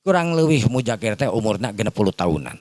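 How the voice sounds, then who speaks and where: A man's voice: on the low side, big pitch swings, fast talker, darkish tone, no room sound. A man with a Sundanese accent tells a folk tale in a rambling, improvised way, padding it with repeated filler phrases as he addresses his listeners. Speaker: storyteller.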